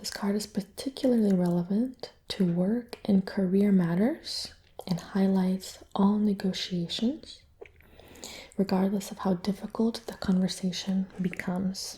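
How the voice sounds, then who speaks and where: A soft-spoken, relaxed, somewhat breathy voice with a dark, mellow tone, fairly even intonation and a fairly slow pace. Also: woman, medium pitch for a woman. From Belarus-born, raised in Colorado, US. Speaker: ASMR tarot reader and reiki practitioner. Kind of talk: tarot reading, casual talk to camera. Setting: ASMR recording with tapping sounds.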